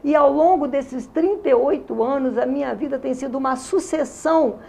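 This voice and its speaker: Brief: Carioca woman, 60s, high but dark, gravelly tone, emotional testimony. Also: normal speed. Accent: Carioca Brazilian Portuguese. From Rio de Janeiro, Brazil. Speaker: interview guest giving a testimony. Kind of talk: religious testimony in conversation.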